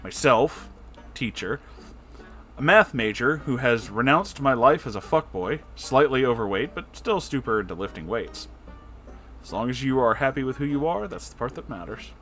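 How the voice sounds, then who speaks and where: A man hosts a story reading with a very lively, swinging delivery. His pitch sits in an ordinary male range. He is effusive and casual, reacting emotionally as he goes, with soft music underneath. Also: normal speed. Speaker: host reading internet stories aloud.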